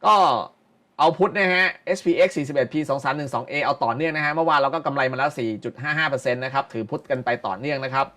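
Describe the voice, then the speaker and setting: A man's voice: mid-range voice, racing, bright, forceful tone. A middle-aged man giving casual live stock market commentary, blunt and slangy, repeating phrases for emphasis.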